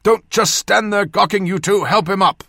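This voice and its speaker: A man voicing a reassuring old ship's surgeon in an audiobook, talking loudly and briskly to his patient. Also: on the high side, very animated, no room sound, studio quality, voice pushed up, exaggerated voice. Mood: brisk, scolding. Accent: northern. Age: older. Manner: loud, reassuring, brisk bedside talk. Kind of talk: audiobook character voice.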